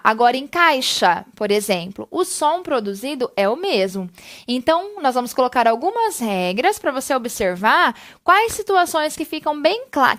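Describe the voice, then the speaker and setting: A woman, speaking in a high voice as she teaches a recorded spelling lesson. She explains patiently and step by step. She often checks in with the listener and stretches out the example words. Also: a bit bright.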